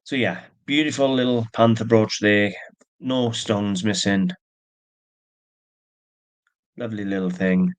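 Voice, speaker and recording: A man with a low, deep voice talks casually through a jewelry haul. He is stuffy with allergies and keeps a chatty, plain manner with small asides. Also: fairly even intonation, takes it slowly, long pauses. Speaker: antique jewelry seller. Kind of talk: casual show-and-tell narration.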